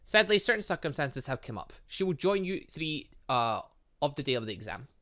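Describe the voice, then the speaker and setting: A man's voice: fairly high pitch, sing-song, a bit bright. Man reading as formal academy headmaster. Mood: measured, earnest. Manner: measured, formal. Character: calm, formal, supportive male academy headmaster.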